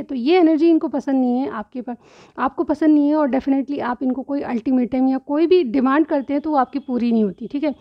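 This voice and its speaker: Tarot reader: woman, high chatty voice, slightly sore throat, dull lo-fi sound. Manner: chatty, keeps asking "theek hai?". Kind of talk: direct-to-viewer tarot reading.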